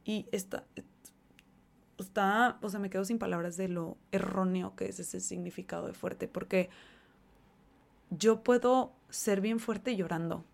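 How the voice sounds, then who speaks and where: A woman's voice: mid-range voice, a little slow, gravelly. A woman hosting a podcast, talking earnestly and conversationally about emotions, with many casual fillers. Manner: earnest, animated, conversational with fillers like "o sea" and "como que". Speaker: podcast host.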